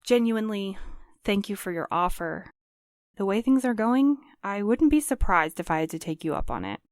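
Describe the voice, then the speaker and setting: A guarded, wounded courier in an audio drama, cutting and sarcastic. The pitch swings widely through each phrase, and the sound is close and dry. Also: female voice, big pitch swings, moderate pace, dry recording. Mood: weary, conciliatory. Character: bitter, guarded woman courier, hurt and sharp-tongued.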